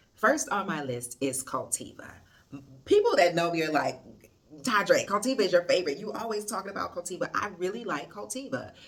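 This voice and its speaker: A woman's animated voice with very wide pitch swings over noticeable background noise. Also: medium pitch for a woman, fairly quick pace. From US West Coast, Los Angeles California. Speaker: podcast host and relocation consultant. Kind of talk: casual vlog talk to camera.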